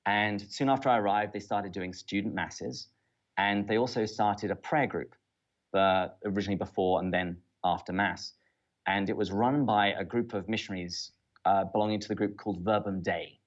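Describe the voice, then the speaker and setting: A man's voice: on the low side, fairly even intonation, normal speed. A man from southern England with a British, Southern English accent, talking casually and with dry understatement as an interview guest. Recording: dull, lo-fi audio.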